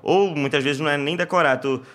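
Slangy, relaxed comedian. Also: male voice, fairly high pitch, brisk. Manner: relaxed, slangy, swears freely. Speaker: stand-up comedian guest. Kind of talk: casual podcast chat.

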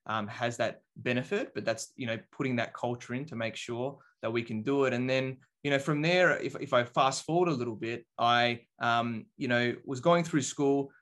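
An Australian man in his thirties, chatting casually as an interview guest with plenty of fillers. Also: mid-range voice. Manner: relaxed, many fillers like um and you know. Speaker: business coach guest.

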